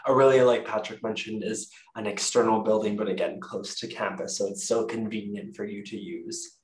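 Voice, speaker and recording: A young Canadian man giving a casual university info presentation over a video call. He often pauses with fillers and corrects himself. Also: on the low side, fairly even intonation. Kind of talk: virtual info session presentation. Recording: echoey room, distant mic.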